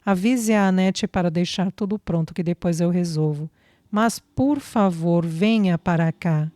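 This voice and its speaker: A woman's voice: lowish voice, unhurried, warm tone, dry recording, natural voice. A woman voicing a loving young man, pleading and emotional, moved almost to tears.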